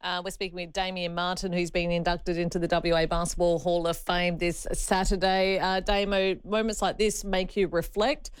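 A woman hosts a radio interview, her voice low for a woman and smooth. She asks friendly prompting questions in a dry studio sound. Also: flat delivery, normal speed, hardly any pauses, dry recording.

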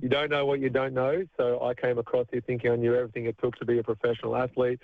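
A man's voice: mid-range voice, flat delivery, quick pace, no room sound. Australian man telling stories over a phone line. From country New South Wales, Australia. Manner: chatty storyteller, laughs often. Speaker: retired basketball player, interview guest. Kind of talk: radio phone interview. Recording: tinny phone line, dry.

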